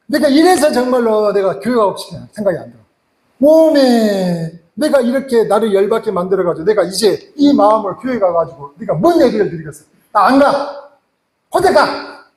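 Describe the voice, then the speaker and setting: A man preaching who acts out an exasperated middle-aged husband, a church elder, complaining loudly and indignantly. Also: high voice, expressive, moderate pace, reverberant, poor audio.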